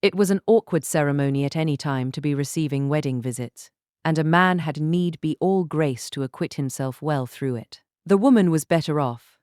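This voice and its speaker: A woman narrating a classic novel audiobook in a measured, articulate, literary style. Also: sits low, darkish tone, no room sound, studio quality.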